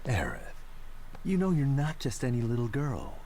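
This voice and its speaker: A man's voice: mid-range voice, wildly swooping pitch, mellow, slight background noise. A male actor playing a formal, persuasive corporate agent with ulterior motives in a dramatic video game. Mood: calm, persuasive. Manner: formal, measured wording.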